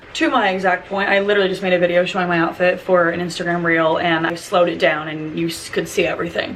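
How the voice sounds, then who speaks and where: A woman's fairly low, monotone, flat voice at a very fast pace with hardly any pauses, amid noticeable background noise and audible room echo. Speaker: lifestyle vlogger. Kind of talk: casual vlog talk. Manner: rambling, hesitant.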